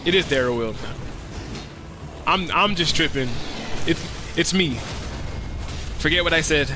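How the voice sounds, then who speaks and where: A man's voice: fairly high pitch, measured pace, over music. A man streaming a video game, chatting casually in an easygoing, rambling way. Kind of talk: casual livestream commentary.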